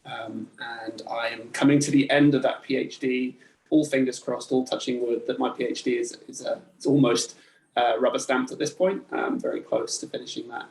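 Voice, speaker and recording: A man introducing himself as a company director on a video call, halting and self-deprecating, with many ums. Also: mid-range voice, fairly even intonation, gravelly, a little mellow, echoey room, low-quality recording.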